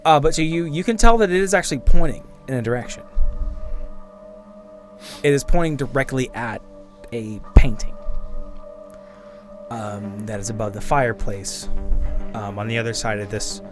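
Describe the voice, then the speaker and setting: Over background music, a game master who also hosts a podcast narrates a tabletop game, improvising as he goes in an informal, halting, self-deprecating way. His voice is medium-pitched.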